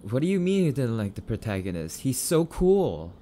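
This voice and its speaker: A man's voice: mid-range voice, big pitch swings, moderate pace, mellow, a little hiss or hum, lightly acted. A man playing a grumpy, affectionate, easily spooked young catboy boyfriend in an ASMR roleplay, defensive and prone to stammering. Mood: teasing, reluctant.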